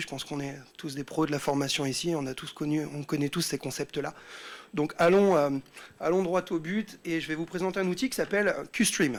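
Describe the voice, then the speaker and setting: The man has a fairly high pitch and speaks at a fairly quick pace. His pitch variation is ordinary. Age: 40s. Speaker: business speaker presenting a training tool. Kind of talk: sales pitch presentation. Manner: hesitant, many 'euh' fillers.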